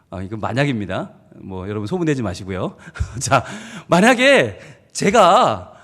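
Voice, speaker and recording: A male pastor preaching a sermon in an animated, playful way, joking and acting out quotes. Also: fairly high pitch, big-room sound. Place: church sanctuary.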